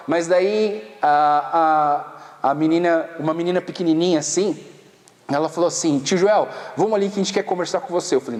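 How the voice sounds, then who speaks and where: A man preaching a sermon at a camp meeting, telling stories in a lively way and laughing often. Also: high-pitched. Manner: lively storytelling with frequent laughter. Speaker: pastor. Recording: long reverb of a large hall.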